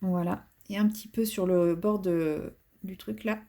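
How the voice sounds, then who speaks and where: A coloring channel host talks casually as she colors, her medium-pitched voice warm and fairly even at a measured pace. She rambles and pokes fun at herself in a chatty color-along commentary, full of fillers and restarts.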